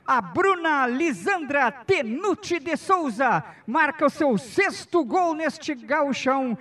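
A man recapping football goals in an animated broadcast report. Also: very high-pitched, slow pace. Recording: distant-sounding broadcast audio.

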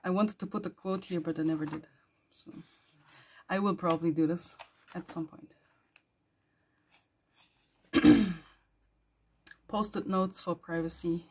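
A woman with a hoarse, worn voice who is losing it, chatting casually while flipping through her journal and clearing her throat often. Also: fairly low pitch, a little mellow. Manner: rambling, chatty with small laughs and throat clearing. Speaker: journal vlogger.

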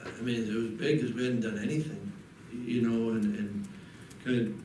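Middle-aged coach at a presser, lots of "and, and" restarts, roomy echo, kinda far from the mic. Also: male voice, medium pitch, fairly even intonation, mellow. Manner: halting, many restarts and repeated words. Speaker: head football coach. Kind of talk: postgame press conference. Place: press room in front of a backdrop. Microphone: table mic on a desk. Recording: echoey room, mic a bit far, audible noise.

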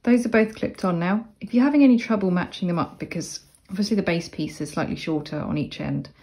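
A woman explaining sewing steps in a casual, chatty tutorial voice-over, with relaxed asides. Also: on the low side, brisk. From Cornwall, England. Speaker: sewing instructor. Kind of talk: casual step-by-step tutorial narration.

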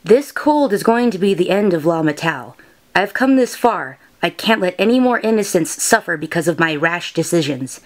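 A woman's voice: on the low side, animated, normal speed, darkish tone, lightly acted. A woman voicing an earnest, protective young heroine in a dramatic anime style. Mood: resolute.

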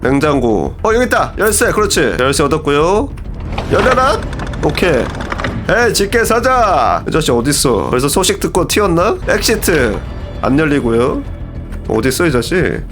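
Excitable young man voicing game play. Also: a little high, normal speed, music in the background. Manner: excitable, shouting and laughing at the game. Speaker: gaming streamer. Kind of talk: game commentary.

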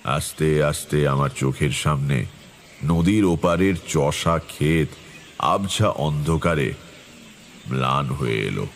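An actor playing a seasoned, self-assured tantric who recounts his eerie tales in a measured, atmospheric, dramatic first-person style. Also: very deep voice, animated, a little hiss or hum, heavily acted. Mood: reflective, suspenseful. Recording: music behind the voice.

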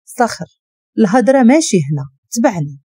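A woman voicing a devoted young female agent, with a Moroccan accent and a soft, pleading manner. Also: fairly high pitch, big pitch swings, brisk, husky, dry recording, clean studio sound, heavily acted.

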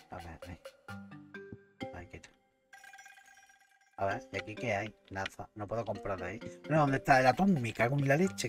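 A man casually commentating a game, chatting to himself and swearing now and then. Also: mid-range voice. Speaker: gameplay commentator.

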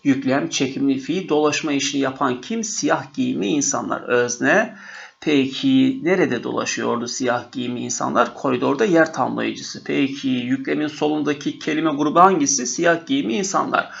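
A man's voice: medium pitch, normal speed, gravelly. A man teaching a grammar lesson for exam preparation, patiently asking questions and answering them himself. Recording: dull lo-fi recording.

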